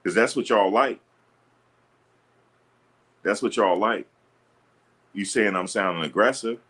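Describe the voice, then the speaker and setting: A man with a deep voice hosting a livestream, reading and answering chat comments in a blunt, assertive, combative way. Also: takes it slowly, fairly bright tone, breathy edge. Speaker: livestream host. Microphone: streaming setup.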